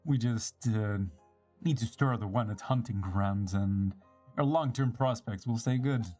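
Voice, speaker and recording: A man's voice: lowish voice, measured pace, dark tone. A man live streaming a dramatic read-aloud of video game dialogue, acting out the lines and now and then stumbling over a word. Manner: theatrical, switches between character voices, stumbles and rereads lines. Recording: music behind the voice.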